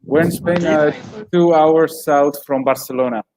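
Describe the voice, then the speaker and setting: A man from the Netherlands, a guest speaker talking over a video call from a village cafe, halting with restarts. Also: fairly high pitch, steady tone, noisy background. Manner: halting, many restarts and fillers. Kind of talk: casual video call chat. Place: cafe in a small mountain village.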